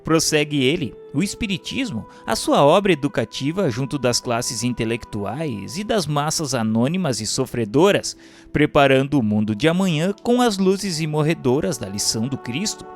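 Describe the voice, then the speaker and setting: A man's voice: on the high side, expressive, moderate pace, faint music behind. A Brazilian man reading a religious text as solemn scripted narration, in a formal, declamatory manner.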